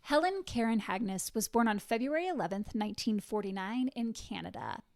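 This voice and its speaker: A young woman's voice, set slightly high, carries a casual true crime podcast. She narrates loosely and conversationally, leaning on fillers as she goes. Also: normal speed. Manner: chatty, relaxed storytelling with fillers. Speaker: podcast co-host.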